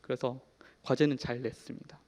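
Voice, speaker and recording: A man in his thirties preaching a sermon in a church, telling a personal story in an earnest way, shifting from soft to emphatic. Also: mid-range voice, flat delivery, moderate pace. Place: church hall. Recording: long hall reverb.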